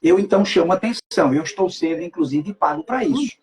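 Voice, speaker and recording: A man who works as a speaking mentor talks in a casual chat, animated, repeating phrases and joking about mispronunciations. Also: sits high, fast, a crowd in the background. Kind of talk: casual two-person chat.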